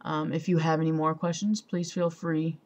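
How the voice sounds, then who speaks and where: A young trans man talking casually to a camera, hesitant, with many ums and pauses, and a voice that still sounds female. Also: a little high, level tone. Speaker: vlogger. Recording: dull lo-fi home recording.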